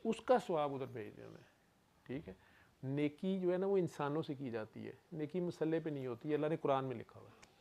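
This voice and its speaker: Gravelly man giving spiritual advice. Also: fairly high pitch, expressive, fairly quick, dark tone. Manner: instructive, keeps checking understanding. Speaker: spiritual healer advising a caller. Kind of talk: casual advice session.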